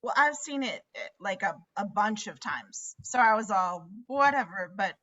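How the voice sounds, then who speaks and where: A woman's voice: medium pitch, lively intonation, a bit bright, lightly acted. A woman playing an awkward, sincere young woman in a screenplay table read, speaking hesitantly on a slightly dull mic. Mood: flustered, hesitant. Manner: hesitant, halting.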